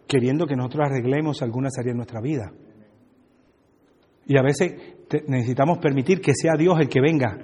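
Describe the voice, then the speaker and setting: A man's voice: medium pitch, darkish tone, breathy edge, big-room sound. A Puerto Rican man from Brooklyn, preaching a joking, conversational sermon and talking back and forth with his congregation. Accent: Puerto Rican Spanish. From USA (Brooklyn), Puerto Rican family. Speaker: pastor. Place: church hall.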